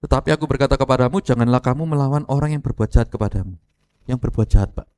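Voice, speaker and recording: Middle-aged East Javanese male pastor, animated preaching, speaks to the pews. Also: medium pitch, racing. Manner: animated, addresses congregation directly, mixes Javanese phrases. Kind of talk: lively sermon with acted quotes.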